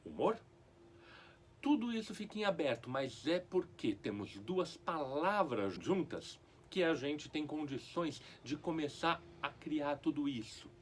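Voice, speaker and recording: Brazilian man, middle-aged, lecturing on poetry; slow pace, lively pitch, faint hiss behind. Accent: Brazilian Portuguese. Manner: lively, expressive, slow and deliberate. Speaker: literature lecturer. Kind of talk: explanatory talk on poetry.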